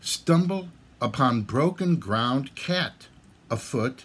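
Very slow and somewhat breathy, a man's voice swings very widely in pitch. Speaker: poet. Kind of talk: poetry reading. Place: home room. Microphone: phone near.

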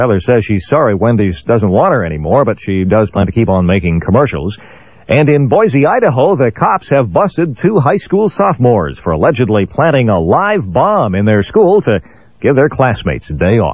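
The voice has vocal fry and very wide pitch swings at a moderate pace. The background is quiet, and the sound is dry with no echo. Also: man. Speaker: radio news reader. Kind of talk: radio news bulletin read. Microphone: old recording.

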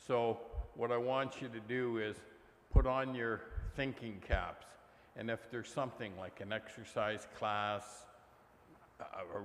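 A man delivers a monotone, flat intonation at a fairly slow pace with light background noise. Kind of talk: announcement to congregation. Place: church. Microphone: lapel.

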